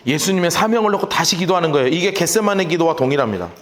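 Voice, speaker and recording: A man's voice: a little high, lively intonation, rapid-fire, a bit bright. A man preaching a sermon as pastor, telling the story dramatically and speaking directly to the children in the room.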